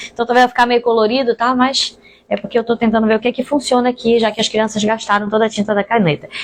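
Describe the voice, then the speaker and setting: Speaking very fast at a fairly high pitch, a woman keeps a monotone, flat intonation and very even loudness. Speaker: pastor. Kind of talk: online teaching livestream. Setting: live stream video. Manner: fast talker by habit.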